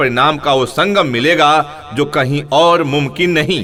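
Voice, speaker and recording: A man's fairly high voice with lively intonation, over noticeable background noise. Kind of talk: advertisement voice-over read.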